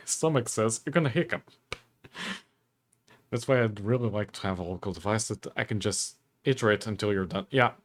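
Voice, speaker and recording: A young man with a Portuguese accent, a livestreamer chatting casually with viewers in a deliberately lowered, calm voice, with a dry throat and frequent chuckles. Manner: chuckles often between phrases. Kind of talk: casual stream chat reading viewer comments.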